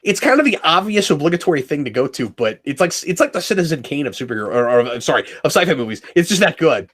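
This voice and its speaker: A man with a high, very lively voice and a bright, sharp tone talks through a casual commentary chat. He is playful and animated, often breaking into loud, silly character voices. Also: quick pace, breathy edge. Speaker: podcast co-host.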